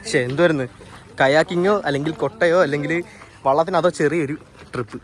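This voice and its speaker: Fast-talking Kerala man mixing Malayalam and English. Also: on the high side, steady tone. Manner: mixes English words into Malayalam. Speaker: vlogger. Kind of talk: casual vlog chat to camera and friends. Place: outdoors at a waterside tourist spot. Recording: outdoor crowd and vehicle noise.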